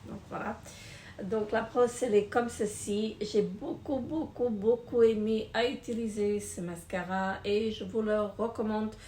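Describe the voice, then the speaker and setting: A woman's voice: mid-range voice, steady tone, unhurried, mellow. Middle-aged woman rambling through a product review, lots of euhs and restarts, roomy echo, faint hiss. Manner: hesitant, many fillers and repeated words. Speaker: beauty vlogger. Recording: echoey room with faint noise.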